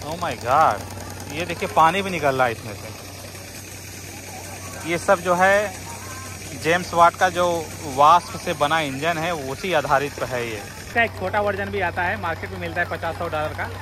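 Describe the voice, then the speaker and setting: A man's voice: on the high side, normal speed. A middle-aged man with an Indian accent, narrating a casual vlog outdoors and informally explaining what he shows. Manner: informal, instructive, pointing things out as he goes. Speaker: vlog host. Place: outdoors in an open parking lot at a public event. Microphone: phone at arm's length.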